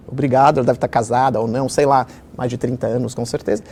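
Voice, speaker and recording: A middle-aged man who was born in Israel, telling personal stories as a children's author in an animated conversational interview style, with many fillers. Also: mid-range voice, quick pace, slight background noise.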